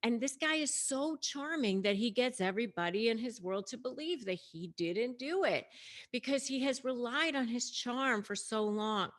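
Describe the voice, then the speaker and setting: A woman with a medium-pitched voice speaks as a host and coach, explaining things in a casual, conversational way. She stresses her points and talks directly to the listener as she tells the story. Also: fairly bright tone. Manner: conversational, emphatic, addresses the audience directly. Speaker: host and coach giving advice on narcissists. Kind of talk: casual explanatory commentary to camera, retelling a story.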